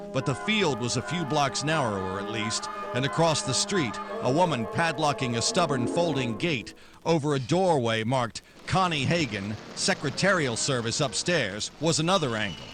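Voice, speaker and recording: An actor playing a hard-boiled American private detective in 1940s noir radio style, wry, clipped and dogged. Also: male voice, mid-range voice, natural voice. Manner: wry, clipped, tough-talking. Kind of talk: 1940s noir radio drama acting and narration.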